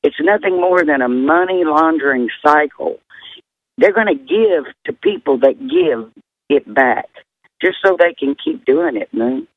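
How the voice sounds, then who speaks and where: A hoarse man calling in to a radio show, ranting in an agitated, rambling way. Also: fairly high pitch, big pitch swings, a little slow, dry recording. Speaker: caller. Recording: phone line.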